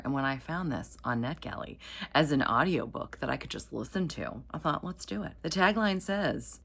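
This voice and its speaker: A woman hosts a casual book vlog in a fairly low voice. Her intonation moves up and down a lot as she talks. She is enthusiastic and gushing, dropping playful asides as she chats. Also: fairly bright tone. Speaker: book video channel host. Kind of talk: casual vlog chat about romance books.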